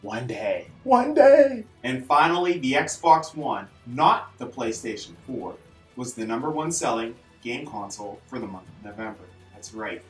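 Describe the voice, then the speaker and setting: Guy doing video game news, hypey and informal, mid-pitched voice, bit of music under him. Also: very animated, a little slow. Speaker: host of a weekly gaming news show.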